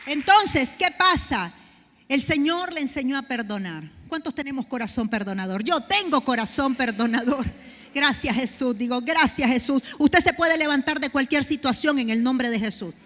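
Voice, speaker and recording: A woman pastor preaching a sermon, building to loud, fervent declarations. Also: high-pitched, lively intonation, moderate pace. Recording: long hall reverb.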